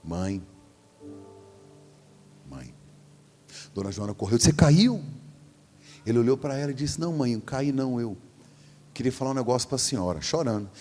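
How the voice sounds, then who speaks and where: A man in his forties preaching a storytelling sermon as pastor, animated and acting out the voices in his story. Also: medium pitch, moderate pace, long pauses, soft background music. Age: 40s. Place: large church hall. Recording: long hall reverb.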